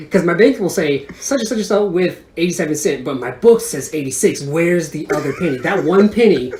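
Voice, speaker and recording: A man of thirty telling stories in a casual chat with his father, animated and lively. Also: moderate pace. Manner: animated storyteller, lively pitch. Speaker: son talking with his father. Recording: echoey room with faint noise.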